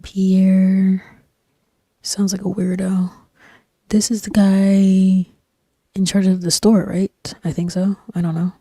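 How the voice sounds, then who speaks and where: A young woman streamer chatting casually while she plays, in a soft-spoken, breathy, near-whispered voice that rambles with lots of fillers. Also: medium pitch, slow pace, pauses often, no echo, clean studio sound. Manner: rambling, relaxed, frequent fillers and slang. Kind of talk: casual chat while gaming. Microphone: desk microphone.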